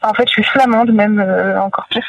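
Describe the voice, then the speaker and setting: A woman from northern France, a guest in a casual interview, talking hesitantly with many pauses and fillers. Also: medium pitch, fairly even intonation, vocal fry, distant mic, lo-fi sound, a little hiss or hum.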